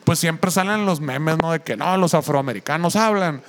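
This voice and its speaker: A man's voice: fairly high pitch, normal speed. A man chatting with friends, explaining his views and quoting what others say. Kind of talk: casual chat among friends.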